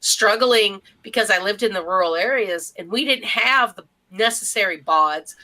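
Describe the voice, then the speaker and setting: A middle-aged woman speaks in casual podcast conversation as a co-host. Her voice is bright and forceful at an average pitch, and she chats in a reminiscing way. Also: moderate pace, poor audio.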